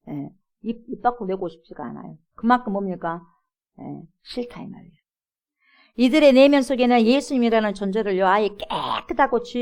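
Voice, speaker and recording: A woman pastor giving an early-morning prayer sermon in a church, animated, acting out quoted voices and laughing often. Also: mid-range voice.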